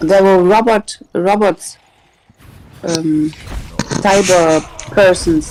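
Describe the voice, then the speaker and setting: The speaker has a non-native accent and talks at a very slow pace with ordinary pitch variation. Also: woman. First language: not English. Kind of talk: casual chat. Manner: halting.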